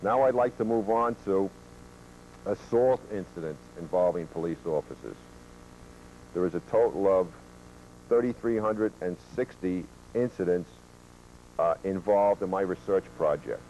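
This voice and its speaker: On a hum-laden, worn VHS copy, a man speaks in a deep, mellow voice through a rough recording. He is a police officer delivering a training lecture, presenting figures steadily with occasional fillers.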